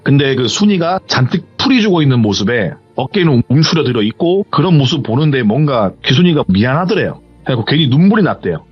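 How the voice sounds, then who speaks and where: A man with a mid-range, slightly rough voice retells a viewer's horror story in a rambling, animated, conversational way, using hearsay endings. The recording is muffled, with faint music underneath.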